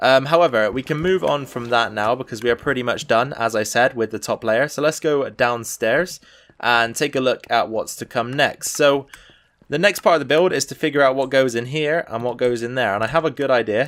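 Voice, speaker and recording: An ordinary speaking voice from a man at a fairly quick pace, with ordinary pitch variation and a very clean recording with a silent background. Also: medium pitch for a man. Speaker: gaming video creator. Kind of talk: gameplay commentary.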